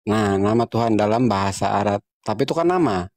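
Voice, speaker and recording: A man's voice: on the low side, lively intonation, a little fast, a little mellow. A man in a live debate, pointedly correcting his opponent's wording.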